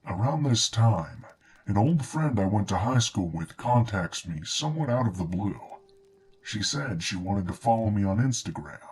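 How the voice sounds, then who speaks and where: A man reading a scripted first-person horror story in a measured, understated way, as a narrator. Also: lowish voice, expressive, darkish tone, slight background noise. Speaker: narrator of true scary stories. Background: background music.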